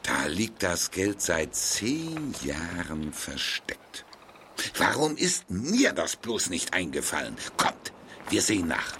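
An actor playing a sly older villain in a German radio play, hiding greed behind a friendly, deliberate manner. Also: male voice, low voice, wildly swooping pitch, bright, forceful tone, heavily acted. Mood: calculating. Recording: noisy radio play with vehicle ambience.

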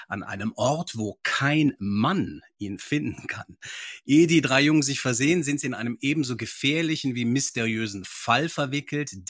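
Husky-voiced man, dry close sound. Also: mid-range voice, a bit bright, dry recording. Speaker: podcast co-host. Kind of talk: casual podcast chat, with some reading aloud.

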